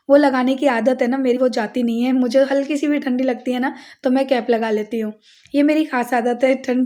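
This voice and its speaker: A woman's voice: high voice, a little mellow. A young woman from India chatting casually to viewers about her household routine in a home vlog. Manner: chatty, addresses viewers directly. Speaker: family vlogger.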